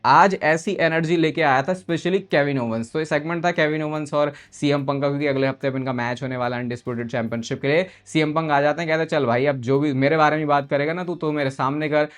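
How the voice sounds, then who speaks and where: Male wrestling recap host, pitched a bit high, chatty and excitable. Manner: chatty, mixes in English words, calls the listener "bhai". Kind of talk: casual excited recap commentary.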